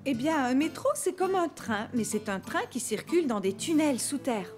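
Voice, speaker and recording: A woman's voice: sits high, very animated, moderate pace. A woman voicing a kind, patient mother of small children in a children's cartoon. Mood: patient, explaining. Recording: music behind the voice.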